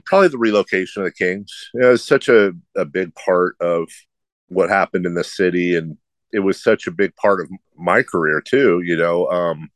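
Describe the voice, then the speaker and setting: In a dry recording, a middle-aged sports radio host with a low-pitched voice fields interview questions. He rambles and makes fun of himself, speaking in a nasal drone with a slight lisp.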